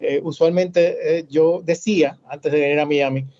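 A man with a mixed Puerto Rican and Cuban accent, speaking as an academic panelist in a reflective, halting way with many filler sounds. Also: a little high, steady tone, darkish tone. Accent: mixed Puerto Rican and Cuban Spanish. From Puerto Rico. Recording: slightly dull lo-fi audio.

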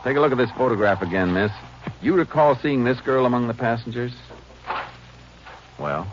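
A man playing a calm, terse Texas Ranger who questions and narrates in a 1950s American radio drama. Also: mid-range voice, normal speed, lo-fi sound, slight background noise, close to an everyday voice. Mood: stern, controlled. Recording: band-limited vintage radio recording with music.

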